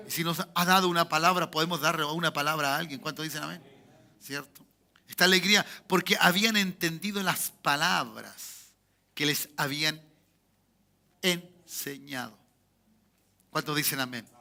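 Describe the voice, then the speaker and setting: Bright-voiced Chilean pastor preaching. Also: male voice, sits high. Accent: Chilean Spanish. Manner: preaching with rising emphatic peaks and quiet asides, asking the congregation for amens. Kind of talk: sermon. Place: church sanctuary.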